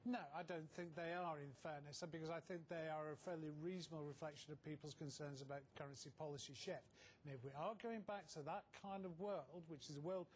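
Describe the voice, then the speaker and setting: Male analyst, higher-pitched voice, measured and emphatic, interviewed live over faint rumbling noise. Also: steady tone. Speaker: market analyst guest. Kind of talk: live financial news interview.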